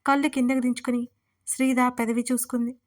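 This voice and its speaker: A woman storyteller reading a scripted audio story in a steady, even way. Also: fairly high pitch, fairly quick.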